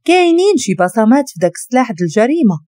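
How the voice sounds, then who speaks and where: A woman's voice: on the high side, very animated, rapid-fire, warm tone, no room sound, studio quality. Woman voicing a curt, cold Moroccan man. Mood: calm. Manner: curt and commanding. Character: stern cold man, a suspect under arrest.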